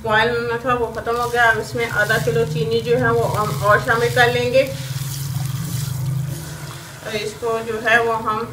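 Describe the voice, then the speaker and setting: A Pakistani woman who speaks Urdu narrates a recipe step by step in her home kitchen, her fairly high, flat voice a little slow, with frequent pauses and a homely manner as she constantly repeats the filler "jo hai." The recording is echoey and distant from the mic, with faint hiss.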